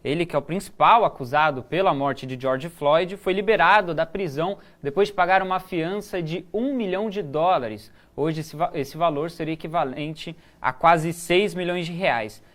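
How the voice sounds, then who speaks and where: A relaxed, chatty man reads out the day's news stories for the show. His voice sits a little high for a man, and he often pauses with fillers and restarts his sentences in easygoing studio banter. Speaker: newsroom co-presenter. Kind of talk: casual news chat.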